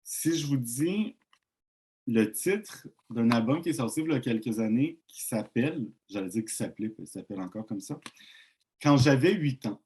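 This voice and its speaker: Mellow, husky man presenting books. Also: medium pitch. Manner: relaxed, conversational, reads passages aloud slowly. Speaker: book presenter. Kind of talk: presentation with read-aloud.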